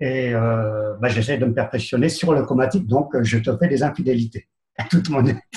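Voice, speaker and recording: Against a quiet background, a man with medium pitch and ordinary pitch variation speaks in a somewhat breathy voice with a dark, mellow tone. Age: 70s. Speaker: harmonica student. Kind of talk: casual self-introduction. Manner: halting, many hesitations. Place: home room. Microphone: video call.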